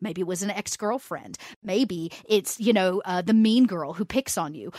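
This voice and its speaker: In an ordinary speaking voice, a woman talks with an American accent and lively intonation. The sound is dry and close, with no echo. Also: very clean recording, silent background. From US South, rural southeast Georgia. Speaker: tabletop RPG producer. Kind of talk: casual interview.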